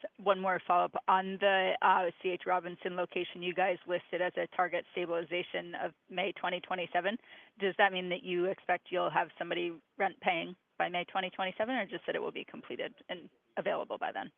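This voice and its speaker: A woman's voice: fairly low pitch, flat delivery, brisk, vocal fry, dry recording. A woman asking questions as an analyst on a conference call, in a conversational way over a muffled phone line.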